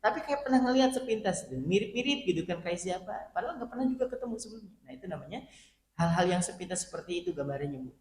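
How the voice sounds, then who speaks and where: A male preacher giving an animated sermon to a women's study group, acting out quoted voices as he talks to them directly. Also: high-pitched, rapid-fire. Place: mosque hall. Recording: roomy mosque hall, faint background hum.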